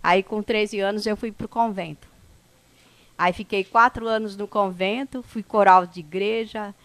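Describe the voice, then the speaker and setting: A woman from the São Paulo coast whose first language is a Brazilian indigenous language, telling her life story to an audience in an unhurried, conversational way. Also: mid-range voice, steady tone, a bit bright, no echo. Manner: unhurried, conversational, with frequent "né?" tags and restarts. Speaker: indigenous speaker at an event.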